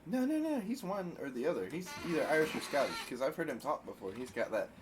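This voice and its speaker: A man with an American accent co-hosting a casual podcast livestream, animated and jokey and quick to laugh. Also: fairly high pitch, over loud music. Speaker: podcast co-host. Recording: faint background noise.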